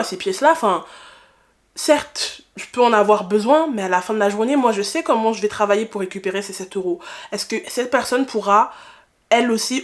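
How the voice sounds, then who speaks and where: Candid young woman vlogger. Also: fairly high pitch. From France. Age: 20s. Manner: candid, colloquial, emphatic repetition of phrases. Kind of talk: personal reflective vlog, casual talk to camera.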